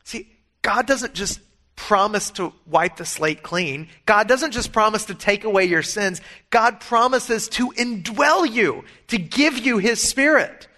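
A man's voice: high-pitched, animated, measured pace, pushed and bright. A middle-aged man preaching a sermon, earnest and emphatic, mixing scripture with personal stories. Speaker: pastor.

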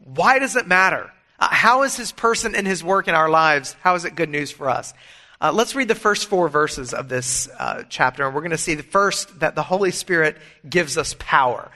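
Working his way through scripture, a middle-aged pastor sounds earnest and emphatic, his bright voice slightly raised and fairly high in pitch. He is expressive at a moderate pace and drifts naturally into personal anecdotes during the sermon.

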